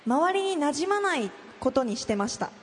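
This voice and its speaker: Chatty, lively young woman on stage. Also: sits high, fairly quick, a little hiss or hum. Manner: lively, laughs easily, chatty. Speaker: guest, actress and TV personality. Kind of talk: casual radio interview. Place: shopping mall event stage.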